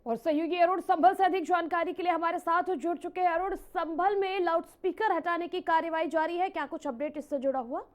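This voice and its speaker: A woman's voice: extremely high pitch, steady tone, a little fast, few pauses. A woman news anchor presenting breaking news live in an emphatic, repetitive way.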